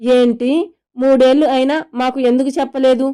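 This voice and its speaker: A woman's voice: high voice, level tone, moderate pace, mellow, clear, resonant tone, natural voice. A woman voicing a young man's scolding, questioning best friend in a romantic audio story.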